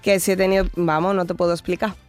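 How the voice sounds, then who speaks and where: A woman's voice: lowish voice, level tone, fast talker, soft background music. A woman from Jerez with a strong Andalusian accent, a stand-up comedian telling chatty stories in a radio interview and laughing along. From Jerez, Spain. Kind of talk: radio interview, anecdotal storytelling. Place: radio studio.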